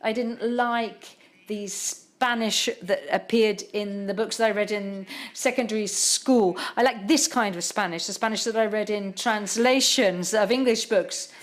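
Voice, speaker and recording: A woman interprets a literary panel talk on the fly, speaking at a middling pitch. She talks haltingly, pausing and restarting as she searches for the words. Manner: halting, many pauses and restarts.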